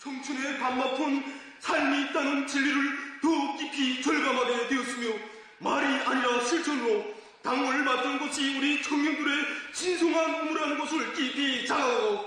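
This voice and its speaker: A man with a North Korean accent declaims a pledge in an extremely high, forceful voice. It echoes heavily, picked up some way from the microphone. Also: steady tone, normal speed. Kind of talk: declaimed public pledge speech. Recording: very echoey hall, distant microphone.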